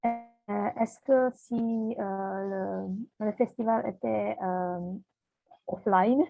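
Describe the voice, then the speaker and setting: A woman with a foreign accent in French feels her way through questions as a non-native speaker. Her delivery is slow and halting, with some creak. The sound is thin and phone-like. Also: medium pitch, steady tone, over music. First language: not French. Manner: hesitant, searching for words in French. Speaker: festival participant asking questions. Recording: muffled phone-like online call audio.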